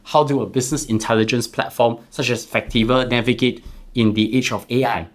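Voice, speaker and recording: A man's voice: medium pitch, steady tone, a little fast. A man hosting a business podcast, giving formal introductions and asking earnest questions. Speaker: podcast host.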